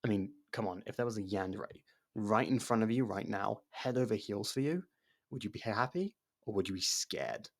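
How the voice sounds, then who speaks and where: A man's voice: on the low side, moderate pace. A man acting a nervous, awkward, secretly obsessive young lover in an intimate ASMR roleplay, stammering and backtracking as he talks. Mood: awkward, probing. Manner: stammering, hesitant, self-conscious, backtracking. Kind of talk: ASMR roleplay, intimate one-sided dialogue.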